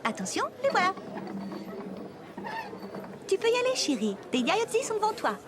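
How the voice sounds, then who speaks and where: Lively, high-pitched cartoon mother. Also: moderate pace, background noise, full character voice. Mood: playful. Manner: kindly, animated. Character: welcoming, playful mother of a young girl. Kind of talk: French children's cartoon dubbing.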